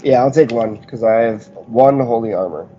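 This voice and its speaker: A man's voice: mid-range voice, moderate pace. A man playing a tabletop role-playing game, bantering casually with a sweary, mock-exasperated manner. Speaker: player in a tabletop RPG. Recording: dull sound with music behind.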